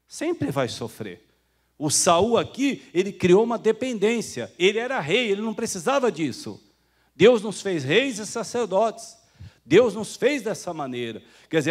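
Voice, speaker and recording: A man with a Brazilian Portuguese accent preaching a sermon as pastor, talking to the congregation like brothers and acting out the people he quotes. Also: sits high. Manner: conversational preaching, calls listeners "irmão", acts out quoted voices.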